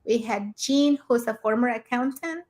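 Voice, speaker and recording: A woman's voice: fairly high pitch, a little mellow. Cheerful woman co-host from Mexico. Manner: cheerful, brisk, rattles off names. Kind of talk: online talk show.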